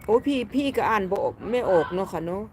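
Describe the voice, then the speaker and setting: A woman's voice: mid-range voice, expressive, fast, a little hiss or hum. A woman with an Isan Thai accent chatting casually with live viewers from her garden, laughing often as she reads their comments. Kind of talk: casual live-stream chat. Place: home garden outdoors.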